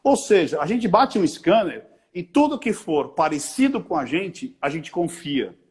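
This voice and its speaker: A Brazilian man talks through his ideas in an interview, lively and conversational. He keeps slipping into little acted-out quotes of everyday people. His voice sits fairly high and swings widely in pitch. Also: unhurried. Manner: animated, acts out little quoted dialogues. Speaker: body-language expert.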